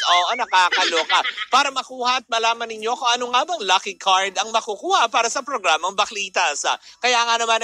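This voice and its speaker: A man's voice: sits high, bright, forceful tone, dry recording. A man with a Filipino accent hosting live radio with casual chat, greetings and promos in a campy, playful manner. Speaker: radio DJ, show host. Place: radio studio.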